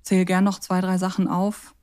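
A woman's voice: fairly low pitch, monotone, normal speed, mellow, smooth. A woman co-hosting a podcast, chatting casually in a reflective, questioning way. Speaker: podcast co-host. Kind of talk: casual podcast chat about audio dramas.

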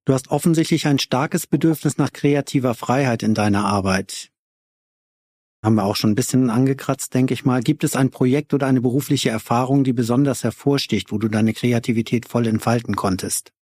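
A man's voice: mid-range voice, a little fast, a little mellow, no room sound, clean studio sound. A man hosting a podcast interview, asking questions and encouraging the guest with short murmurs of agreement. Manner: supportive listener with many short backchannels. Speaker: podcast host. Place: Cologne.

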